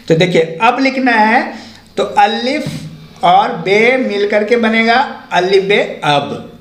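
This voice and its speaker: A male teacher walks learners through a lesson. His voice sits high and rises and falls a lot, and he spells out each letter slowly and patiently. The sound is echoey, as in a bare room. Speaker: Urdu teacher. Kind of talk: step-by-step language lesson.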